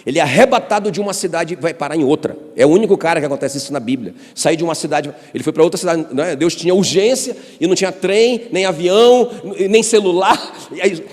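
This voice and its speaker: A man's voice: a little high, fast. A man from Brazil, a pastor preaching a sermon with personal stories and calls for the congregation to respond. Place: church hall. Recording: long church hall reverb.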